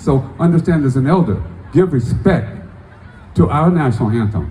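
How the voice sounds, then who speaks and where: Over noticeable background noise, a man talks with lively intonation at a fairly high pitch. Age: 70s. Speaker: community elder and activist. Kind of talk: public speech.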